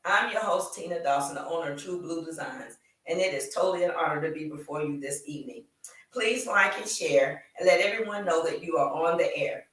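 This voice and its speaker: A woman's voice: low voice, a little fast, fairly bright tone, recorded from a distance. A woman hosting an interview show, reading a scripted welcome and then prompting her guest in a chatty way. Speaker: talk show host. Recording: roomy echo, away from the mic.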